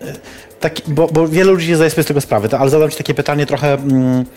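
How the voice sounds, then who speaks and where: Fast-talking chatty male talk show host. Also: fairly high pitch, fairly even intonation, darkish tone, faint music behind. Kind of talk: casual chatty interview.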